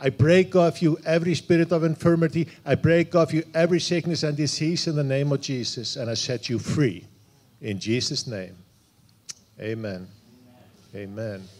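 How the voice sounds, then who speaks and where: A man with a normal speaking voice talks at a moderate pace, his fairly high pitch carrying lively intonation. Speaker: guest minister. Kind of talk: prayer and blessing.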